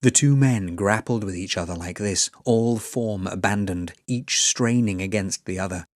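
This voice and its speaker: A man narrates literary fiction in a fairly low voice, captured dry and close. His delivery is measured and dramatic, like a seasoned audiobook storyteller. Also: no room sound. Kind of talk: scripted literary narration, voice reel.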